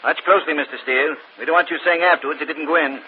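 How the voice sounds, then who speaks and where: Actor as gruff police inspector, quick and a bit high, phone-thin old broadcast. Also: male voice, fairly even intonation, natural voice. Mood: brusque. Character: gruff middle-aged police inspector, bossy. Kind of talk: 1940s radio acting. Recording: tinny old radio broadcast, hiss.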